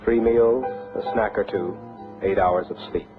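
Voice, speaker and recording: Male narrator, poetic scripted documentary, measured and dramatic, narrow band, clear music bed. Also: lowish voice, steady tone. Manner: measured, dramatic phrasing in short fragments. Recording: thin band-limited sound under music.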